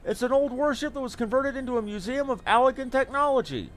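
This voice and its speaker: A man voicing an excitable, sentimental young male engineer, earnest and dramatic, as he reads game dialogue aloud. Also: very high voice, quick pace, slight background noise. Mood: eager, pleading.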